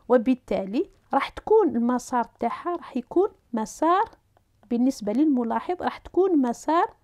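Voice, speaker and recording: A woman's voice: a little high, vocal fry, a little mellow. Algerian woman teaching physics step by step. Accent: Algerian Arabic. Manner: hesitant, with fillers and restarts, talking students through drawing. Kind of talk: whiteboard physics lesson.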